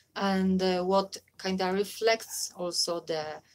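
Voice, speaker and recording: This woman talks very slowly. Her speech carries a Polish accent. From Poland. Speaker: spiritual teacher and healer. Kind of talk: talk to camera on spirituality. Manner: hesitant, many fillers.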